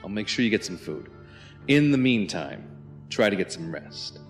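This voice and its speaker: An actor playing a calm villain in an audio drama, unhurried and falsely courteous with quiet menace. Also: male voice, on the low side, soft background music. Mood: smooth menace. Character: calm, soft-threatening male villain holding captives.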